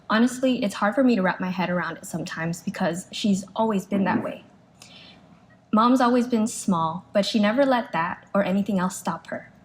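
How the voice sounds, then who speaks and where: A woman reads out a prepared eulogy, speaking as a daughter. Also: mid-range voice. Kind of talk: prepared memorial speech read aloud. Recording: live speech with clear background noise.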